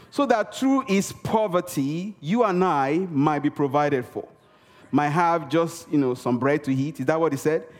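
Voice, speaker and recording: A man preaching a sermon in a church, emphatic and repetitive, calling out for responses from the congregation. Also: on the high side. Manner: emphatic, repeats key words for effect; calls for audience response. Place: church hall. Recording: reverberant hall.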